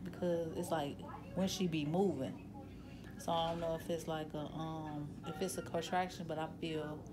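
A woman's fairly low voice with ordinary pitch variation, against noticeable background noise. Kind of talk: casual vlog chat. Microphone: phone near.

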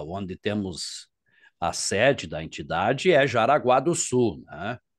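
Over a quiet background, a man speaks at a very slow pace with very wide pitch swings, the sound dry with no echo. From Santa Catarina, southern Brazil. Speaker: radio broadcaster, councillors' association representative. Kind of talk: interview. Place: home room. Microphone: video call.

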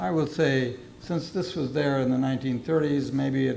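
With an Upper Midwest accent, a man talks at a fairly slow pace over light background noise. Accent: Upper Midwest American. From US Midwest. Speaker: former resident telling local history. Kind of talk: reminiscence speech to audience. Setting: reunion gathering with microphone and audience. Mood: warm, nostalgic. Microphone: podium.

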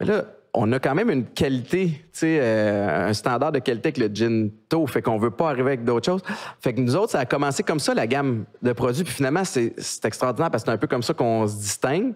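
A man with a Quebec accent, lively intonation, very even loudness and a fairly quick pace, over a quiet background. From Quebec, Montréal-Nord; Quebec, Canada. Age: 30s. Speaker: entrepreneur and former football player; podcast guest. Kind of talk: casual interview chat. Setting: studio. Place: studio. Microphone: studio mic.

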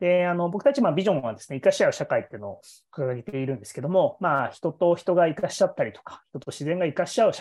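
Very fast pace and big swings in loudness over a quiet background. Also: man. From Sendai, Japan; Japan. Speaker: event moderator, nonprofit representative; event moderator. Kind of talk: online event moderation. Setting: online video event. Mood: friendly, smiling. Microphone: earbuds.

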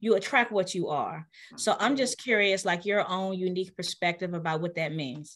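Her pace is moderate. The woman's pitch moves up and down in an ordinary way. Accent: Washington DC. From Washington DC. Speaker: podcast co-host and notary; podcast co-host. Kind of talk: casual chat. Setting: podcast recording. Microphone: webcam.

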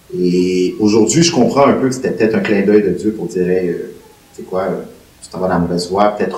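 A man is speaking. Audible room echo surrounds the voice. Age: 30s. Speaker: church member being baptized. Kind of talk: testimony. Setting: church. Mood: earnest, reflective. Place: home room. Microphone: camera far.

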